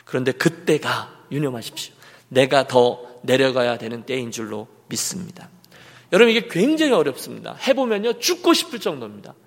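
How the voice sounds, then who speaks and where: A man's voice: medium pitch, big pitch swings, fairly quick, vocal fry, long reverb tail. A male senior pastor preaching a sermon earnestly and putting direct questions to the congregation. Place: church sanctuary.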